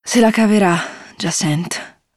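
A woman's voice: lively intonation, a little fast, dry recording, clean studio sound. A woman voicing a tired, guarded teenage girl, a school prefect who speaks in a weary, clipped way. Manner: weary, clipped, low-key.

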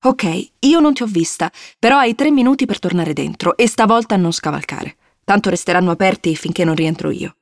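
A woman's voice: lively intonation, brisk, few pauses, dry recording, clean studio sound. A woman doing a weary, curt teenage prefect. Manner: weary, clipped, low-key. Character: tired, curt teenage girl, a prefect, guarded.

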